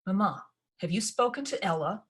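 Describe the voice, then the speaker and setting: A woman's voice: mid-range voice, lively intonation, normal speed, lightly acted. Woman doing Lucy, a snappish haughty stepsister. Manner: snappish and demanding. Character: haughty sharp-tongued young stepsister Lucy.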